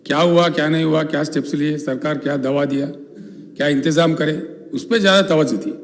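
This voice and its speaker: A man's voice: high voice, fairly bright tone, slight background noise. A man with an Indian accent replying for the government in a legislative assembly, defensive and pleading over interruptions. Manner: defensive, talking over interruptions with repeated pleas. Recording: long reverb of a large chamber.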